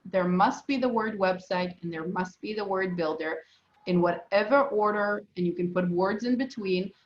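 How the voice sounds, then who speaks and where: A woman with a Southern US accent teaching a live class in a casual way, with many fillers and restarts. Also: mid-range voice. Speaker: instructor. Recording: echoey, muffled room sound.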